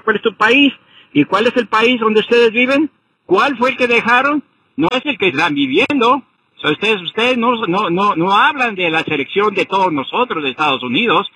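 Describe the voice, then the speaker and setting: Older Mexican man, high husky voice. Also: a bit bright, dry recording, rough recording. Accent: Mexican, Jalisco. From Jalisco, Mexico. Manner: rambling, repeats "ok?". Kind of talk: heated sports call-in talk. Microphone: phone while driving.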